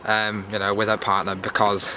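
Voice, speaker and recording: A British YouTube vlogger hosts a chatty, meandering walk-and-talk, rambling casually on a cold evening outdoors. His fairly low voice is monotone, pushed and bright, at a moderate pace. Clear outdoor background noise is audible.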